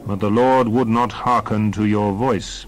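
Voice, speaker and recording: A man's voice: on the low side, steady tone, a little slow, slight background noise, natural voice, low-quality recording. A man playing a solemn prophet addressing his people, grave and oratorical, in a dramatized scripture reading. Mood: solemn, admonishing.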